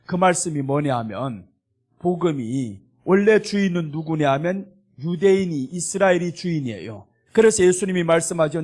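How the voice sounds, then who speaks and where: A man preaching a sermon at a Korean church, his voice sitting a little on the high side. He delivers it emphatically and acts out the scripture quotes in small voiced asides as he explains them. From South Korea. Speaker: pastor.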